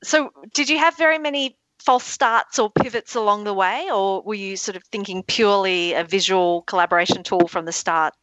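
A woman's voice: medium pitch, normal speed, few pauses, fairly bright tone, no echo, muffled recording. A woman presenting a live radio interview, upbeat and encouraging.

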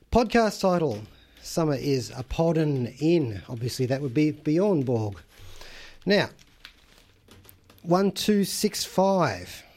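A man's voice: a little high, darkish tone. An Australian man hosts a casual radio show from a studio. He is jokey and enthusiastic and laughs often between lines. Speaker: radio host.

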